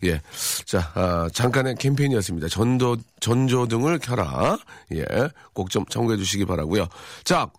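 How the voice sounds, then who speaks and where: A man's voice: fairly low pitch, moderate pace, few pauses, no room sound. Dry-voiced man hosting live radio. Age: 40s. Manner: dry, teasing, deadpan humor. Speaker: radio host. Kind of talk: live radio chat reading listener messages. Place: radio studio. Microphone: studio microphone.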